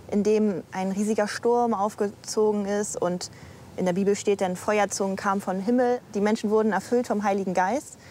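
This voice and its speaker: A woman pastor in her thirties speaks in a plain, open and reflective way, at an everyday pitch. Her talk is relaxed and conversational, with a faint hiss of background noise. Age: 30s. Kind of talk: casual interview talk.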